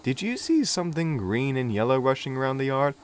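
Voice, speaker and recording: A man's voice: mid-range voice, very animated, brisk, voice pushed up, natural voice. A man voicing a kindly, caring young male tank engine. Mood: curious. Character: friendly small male blue tank engine. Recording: music playing behind.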